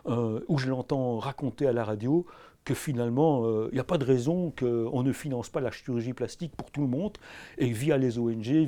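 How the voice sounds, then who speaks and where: Hesitant Belgian professor, mellow voice. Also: male voice, mid-range voice. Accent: Belgian French. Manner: hesitant, many fillers and restarts. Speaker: anthropology professor. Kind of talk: filmed interview. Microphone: camera crew sound.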